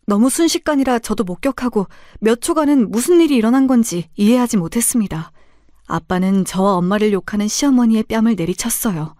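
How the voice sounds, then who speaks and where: A woman with a fairly high voice narrates a first-person family story in a steady, even storytelling manner. The recording is close and dry, with no room sound. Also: no echo.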